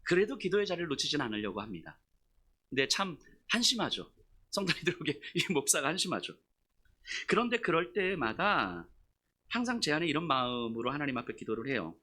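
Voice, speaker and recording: A male pastor preaching a heartfelt, confessional sermon. His voice is bright and somewhat high, with a hugely lively, swooping pitch. He swings from quiet asides to sudden loud bursts. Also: fairly quick. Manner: emotional, confessional storytelling; shifts between soft asides and loud outbursts.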